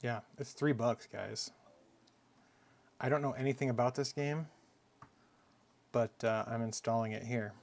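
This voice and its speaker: Man, gravelly voice, casual stream chat, distracted, mumbles to himself. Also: mid-range voice, steady tone, a little slow, pauses often. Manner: mumbly, distracted, talks to chat while fiddling with setup.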